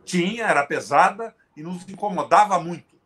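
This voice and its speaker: A man in his seventies hosting a political conversation, talking in an emphatic, forceful way with sharp jumps in pitch and loudness. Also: moderate pace. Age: 70s. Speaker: host, veteran politician.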